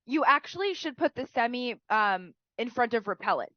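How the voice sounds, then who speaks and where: A woman's voice: on the high side, expressive, moderate pace, dry recording, highs cut off. A woman teacher who is sick and sounds nasal, giving chatty writing feedback and often tagging "right?" onto her sentences.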